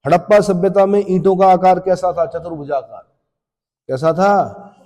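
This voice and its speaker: A man teaching an exam coaching class, firing off quiz questions and answering them himself, brisk and scolding. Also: sits high, darkish tone, in a large hall. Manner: drills students with questions and answers. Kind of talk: rapid-fire exam coaching lecture.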